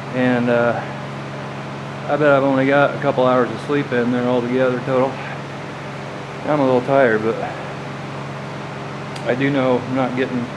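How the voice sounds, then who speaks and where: Over noticeable background noise, a man's speech proceeds at a moderate pace. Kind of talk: casual vlog chat. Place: garage. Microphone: phone near.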